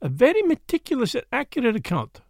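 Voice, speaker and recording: A man's voice: high voice, huge pitch swings, a little slow, darkish tone, no echo, studio quality, heavily acted. A man voicing an eccentric, vain but kindly older detective with a French accent, speaking in formal, courteous, emphatic phrases for an audiobook. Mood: teasing, kindly.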